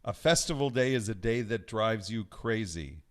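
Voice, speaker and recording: Brief: male song leader, low voice, talks haltingly, restarts a lot, casual intro before singing. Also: animated. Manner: halting, searching for words with many restarts. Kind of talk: casual spoken introduction before singing at a live-streamed study night. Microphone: home setup singing over recorded accompaniment.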